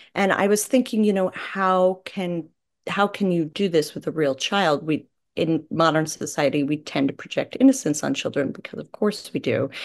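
With a plain, everyday voice, a woman speaks at a fairly low pitch and a moderate pace against a quiet background. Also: lively intonation. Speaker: playwright and actor. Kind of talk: radio interview.

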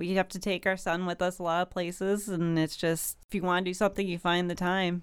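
A woman speaks with a Chicago accent in a flat, monotone delivery. The recording is very clean, with a silent background. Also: medium pitch for a woman, fairly quick pace, hardly any pauses. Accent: Midwestern American (Chicago-area). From Illinois (Kankakee area). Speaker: cat café co-owner and realtor. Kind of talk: radio interview. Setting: studio.

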